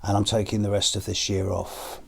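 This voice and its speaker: British man, hoarse deep voice, slow measured talk with pauses, fairly low pitch. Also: monotone, slight background noise. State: hoarse and coughing after illness. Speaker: astrologer. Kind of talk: personal video to viewers.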